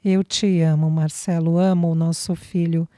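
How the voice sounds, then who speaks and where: A woman's voice: fairly low pitch, little pitch movement, normal speed, no room sound, clean studio sound, lightly acted. A woman voicing a tender young expectant mother. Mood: tender, joyful. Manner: soft, sweet and affectionate.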